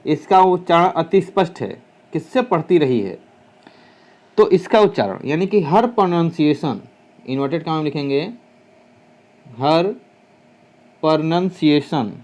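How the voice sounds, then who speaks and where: A man teaching English translation to students, slowly dictating English phrases and spelling words out letter by letter, sometimes correcting himself as he thinks aloud. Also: on the high side, lively intonation, darkish tone. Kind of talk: translation lesson explaining Hindi sentences.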